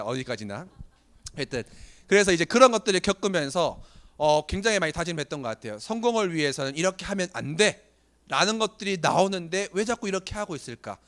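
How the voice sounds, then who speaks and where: A man in his late twenties or thirties, giving a motivational business talk to trainees, telling stories animatedly with self-deprecating jokes, his voice getting hoarse. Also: a little high, a bit bright. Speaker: business seminar speaker.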